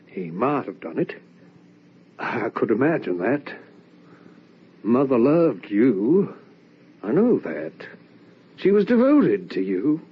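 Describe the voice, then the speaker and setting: An actor playing an anguished, probing young son in an old-time radio drama, with earnest, theatrical, questioning delivery. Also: male voice, mid-range voice, slightly rough, exaggerated voice. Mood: anguished, accusing. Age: young adult. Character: anguished, probing young adult son narrating a ghost tale. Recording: dull, lo-fi old radio recording.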